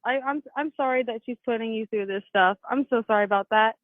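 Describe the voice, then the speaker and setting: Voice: medium pitch, fast, no room sound. Hesitant caller on a tinny phone line. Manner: hesitant, stammering. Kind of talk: phone call-in.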